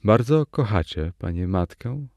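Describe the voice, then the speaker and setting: A man voicing an earnest, secretive young village girl in a storybook reading, speaking softly. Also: on the low side, expressive, a little slow, dry recording, highs cut off.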